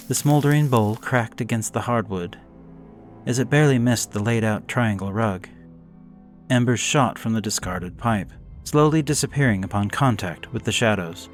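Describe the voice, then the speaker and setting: Somber male horror story narrator. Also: on the low side. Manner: somber, measured, suspenseful. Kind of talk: dramatic first-person scripted narration.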